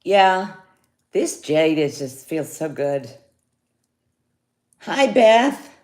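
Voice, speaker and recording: A woman's voice: low voice, very animated, very slow, darkish tone. A woman chatting casually on a jewelry livestream, greeting viewers by name. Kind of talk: casual live sales chat. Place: home studio, indoors.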